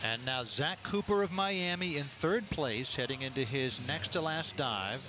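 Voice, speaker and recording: Male play-by-play announcer, fairly high voice, factual live diving call, clear venue noise behind. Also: animated, normal speed. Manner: announcerly, factual scene-setting. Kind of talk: live sports commentary. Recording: noisy indoor sports venue ambience.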